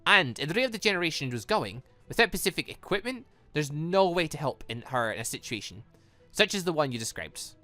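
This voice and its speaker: A man voicing a calm, shrewd, formal academy headmaster in a visual novel, speaking in a measured, deliberate way. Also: a little high, faint music behind. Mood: probing, formal. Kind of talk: visual novel character reading.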